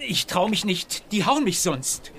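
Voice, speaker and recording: Scared little secretary in a kids audio play, high voice, slow and halting. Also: male voice, very animated, a bit bright, slight background noise, heavily acted. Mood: timid, reluctant. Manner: timid, hesitant, halting list reading. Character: timid, browbeaten male secretary to a mayor. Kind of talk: German audio drama acting for children.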